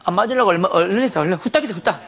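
A man's voice: high voice, rapid-fire, vocal fry, a bit bright. A man giving a sermon testimony, telling a story animatedly with frequent laughter and rhetorical questions.

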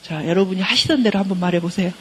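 A woman's voice: medium pitch, racing, slightly rough, rough recording. A middle-aged woman professor giving a counseling lecture, engaging her listeners by keeping on asking them questions.

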